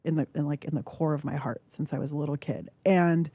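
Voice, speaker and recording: Low, mellow-voiced woman, reflective. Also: steady tone, no echo. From California. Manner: reflective, halting, with filler words. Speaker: guest author. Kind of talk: candid radio interview. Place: radio studio. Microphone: studio microphone.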